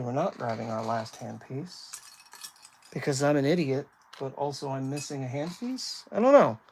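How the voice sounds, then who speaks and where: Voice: mid-range voice, darkish tone. A toy builder giving a casual live-stream build walkthrough, rambling and self-deprecating and thinking aloud while putting pieces together.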